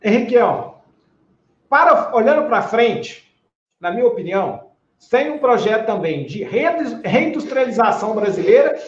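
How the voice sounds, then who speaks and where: A man with a very high voice explains his views in a measured way and keeps checking in with his listener. The sound is roomy, with a strong echo. It is dull and lo-fi, as if it came over a remote link. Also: very animated. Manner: measured, explanatory, with frequent tag questions. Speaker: federal deputy, guest. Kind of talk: political conversation. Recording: echoey, dull lo-fi remote audio.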